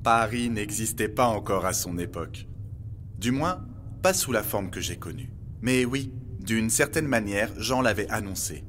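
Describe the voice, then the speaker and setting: An actor playing a learned, grave guide to Earth's past in an audio drama, speaking formally in a solemn, measured, probing way. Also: male voice, fairly low pitch, expressive, fairly bright tone, slight background noise. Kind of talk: audio fiction dialogue.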